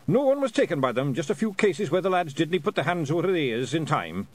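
Rob Anybody, a gruff Scottish pixie chief. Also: male voice, high-pitched, animated, normal speed, darkish tone, pitched above the performer's own voice. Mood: urgent. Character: small fierce male Scottish pixie chief.

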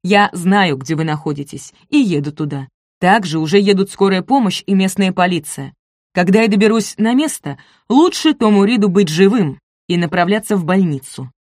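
Brief: a woman playing a commanding male detective, forceful and clipped, dry close read. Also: on the low side, normal speed, no echo, lightly acted. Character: tough male state police detective, commanding.

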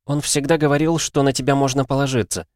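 A man reading an audiobook, voicing a determined, guarded mother who speaks in a measured, restrained way. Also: mid-range voice, little pitch movement, darkish tone, no room sound, studio quality, pitched above the performer's own voice, natural voice.

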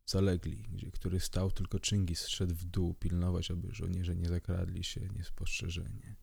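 A man reading a horror story aloud in measured, scripted narration. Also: low voice, completely flat delivery, vocal fry, darkish tone, breathy edge. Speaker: audiobook narrator.

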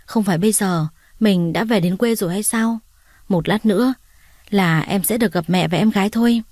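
A woman voicing a gentle young man who softly comforts his girlfriend. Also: medium pitch, normal speed, no echo, clean studio sound, lightly acted. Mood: soothing. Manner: soft, soothing.

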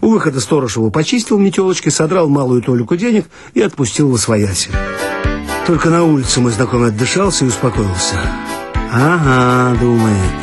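A man's voice: mid-range voice, very animated, a little fast, husky, faint music behind. A man reading a comic story aloud with ironic, mock-serious narration. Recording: dry archival radio recording.

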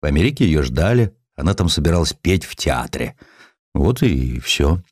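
Male narrator as weathered ex-sailor postman, deep voice, gruff, blunt, proud, kind-hearted, salty storyteller, lively intonation, audiobook. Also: normal speed, dry recording, studio quality, heavily acted. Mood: earnest storytelling. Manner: blunt, salty, plain-spoken.

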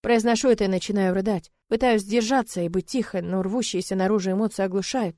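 A woman's voice: mid-range voice, steady tone, fast, mellow, no echo. Woman narrating a dramatic novel. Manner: emotional, dramatic reading. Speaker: audiobook narrator. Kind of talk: first-person novel narration.

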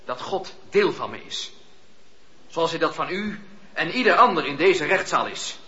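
High-voiced, fervent religious dissenter. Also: male voice, very animated, sharp tone, full character voice. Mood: firm, devout. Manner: preaching, emphatic, deliberate. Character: defiant, devout religious dissenter on trial. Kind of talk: radio play acting. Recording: dull, noisy, echoey radio play recording.

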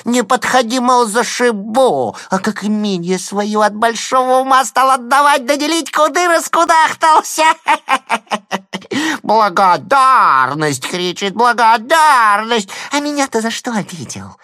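A woman voicing a shrill, mocking male hanger-on who squeals, jeers and giggles in a sing-song way. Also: lively intonation, a little slow, fairly bright tone, no room sound, studio quality. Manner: taunting, sing-song, cackling. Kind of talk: audio drama acting.

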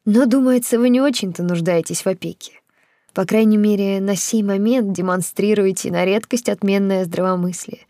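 A woman narrator voicing a poised court lady in her fifties, measured and slightly gloating. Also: medium pitch, warm tone, no room sound, studio quality, lightly acted. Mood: gracious. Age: 50s. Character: poised older court lady, wry and gracious.

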